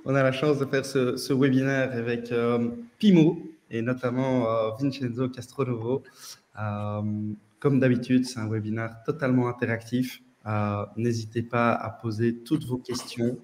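A man's voice: mid-range voice, steady tone, normal speed, darkish tone. A man opens an online webinar as its host, laying out the session and introducing the speaker. His talk is full of fillers, and he comes through a video call. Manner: friendly, frequent fillers.

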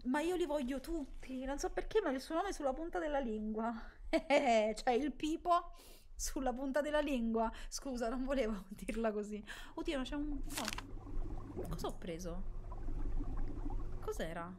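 Brief: young woman gamer streaming live, high, chatty, jokey. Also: normal speed, darkish tone, a little hiss or hum. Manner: chatty, jokey, addresses chat, shrieks when startled. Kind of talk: casual live gameplay chat.

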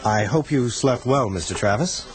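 An actor voicing a polite pursuer with a chill under every word and a lilting, varied pitch. He sounds in control. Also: animated, normal speed, over music, natural voice. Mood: menacing. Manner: coolly polite, menacing. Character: menacing pursuer from the future, smooth and cold.

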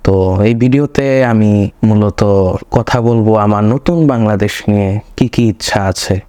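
A young man with a voice slightly hoarse from a cold, talking through his thoughts in a rambling home vlog and often correcting himself. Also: lowish voice, a little mellow, no echo. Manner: rambling, self-correcting, searching for words. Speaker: vlogger. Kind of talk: casual personal vlog commentary. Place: home room.

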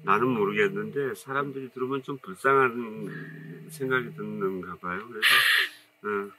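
A man in his fifties with a strong Jecheon regional accent, a saxophonist telling stories in a relaxed, rambling, modest way in an indoor studio. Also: on the low side, moderate pace, crowd noise. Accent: Jecheon dialect of North Chungcheong. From Jecheon, North Chungcheong, Korea. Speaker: saxophonist guest. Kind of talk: casual interview storytelling. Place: indoor studio with curtain backdrop. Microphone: off-camera mic, seated two-shot.

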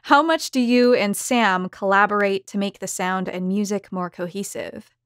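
A woman's voice: medium pitch, normal speed, a bit bright, clean tone. A woman hosting a casual roundtable discussion in an informal conversational style. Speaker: host.

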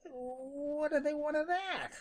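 A storybook narrator voicing a timid, indignant young male rabbit in a high, excited voice. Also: slow pace.

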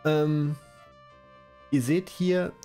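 A man's voice: a little high, steady tone, extremely slow, dark tone, faint music behind. A German-speaking man with a cold, giving rambling, self-correcting commentary while playing a strategy game. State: has a cold, coughing. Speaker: let's-play host.

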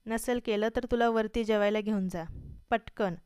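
A woman voicing a stern, quick-tempered elder brother who gives curt orders in a storybook reading. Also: medium pitch, fairly even intonation, darkish tone, clear, resonant tone, no echo, studio quality, natural voice. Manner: curt, commanding.

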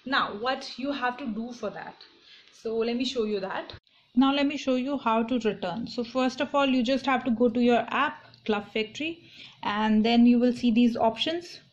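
A woman's voice: on the high side, normal speed. A young woman with an Indian accent talking casually to viewers and explaining things in a vlog. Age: young adult. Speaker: online shopping vlogger. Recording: dull lo-fi phone audio, clear background noise.

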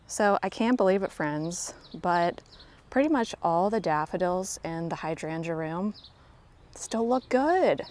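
A woman's voice: lowish voice, animated, unhurried, a little mellow. A woman giving a casual walking tour of her home garden, chatty and self-deprecating, talking to viewers like friends, recorded outdoors on a handheld phone. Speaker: garden vlogger. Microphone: handheld phone camera, speaker off screen.

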